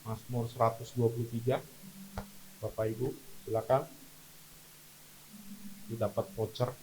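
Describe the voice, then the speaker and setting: A man's voice: medium pitch, little pitch movement, unhurried, warm tone, slight background noise, poor audio. A man preaching a sermon as pastor at a church service, telling stories with emphatic delivery.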